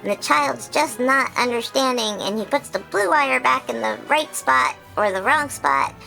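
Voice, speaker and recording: A woman voicing an excitable, childlike male creature who hosts a chatty episode recap, bubbly and full of giggles and squeals. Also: a little high, moderate pace, vocal fry, soft background music, exaggerated voice, rough recording. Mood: excited recap. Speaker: recap host.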